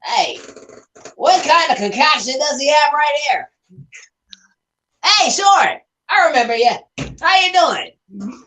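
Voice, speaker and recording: Woman playing a boastful young man, chirpy and playful, high lively voice. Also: slow pace, long pauses, full character voice. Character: chirpy vain young man, a self-proclaimed cute smart twin.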